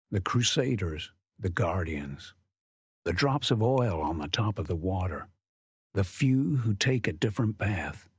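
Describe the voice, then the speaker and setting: A man's voice: low voice, breathy edge, dry recording. A man working as a voice-over artist, reading scripted commercial and documentary narration.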